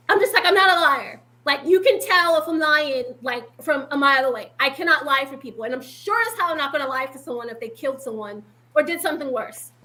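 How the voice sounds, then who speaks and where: Interview guest, woman from Boston, high bright voice, rambling and chatty. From Boston, Massachusetts. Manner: chatty, rambling, with many fillers and frequent laughs. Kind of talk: casual interview talk.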